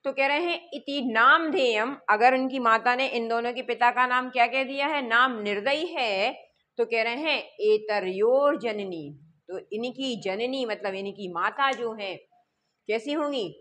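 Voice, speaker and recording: A woman teaching a lesson, reading lines slowly, then explaining them quickly and asking her students questions. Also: on the high side, sharp tone. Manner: explains step by step, asks the class questions and answers them.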